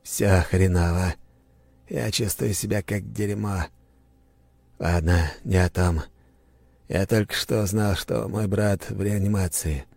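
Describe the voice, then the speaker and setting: Brief: man playing a weak, irritable old father, slow and hoarse. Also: low voice, darkish tone, dry recording, pitched above the performer's own voice, exaggerated voice. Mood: grim. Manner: hoarse, strained, commanding. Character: older father, weak from a coma, quick to anger. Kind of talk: audiobook character voice.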